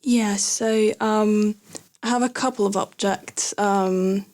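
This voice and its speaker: A young adult woman whose first language is Lithuanian, telling a personal story as a podcast guest, hesitant with many fillers and soft laughs. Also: medium pitch, steady tone, slow pace. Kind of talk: casual conversational storytelling.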